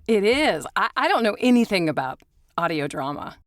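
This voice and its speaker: A woman's voice: medium pitch, very animated, moderate pace, no echo, clean studio sound. A woman chatting casually as a podcast co-host.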